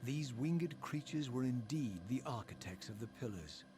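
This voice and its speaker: An actor playing a brooding undead spirit of vengeance in a video game, narrating in grave, theatrical, formal diction. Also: male voice, medium pitch, animated, moderate pace, lightly acted. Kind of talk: dramatic scripted game narration. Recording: noisy game ambience behind.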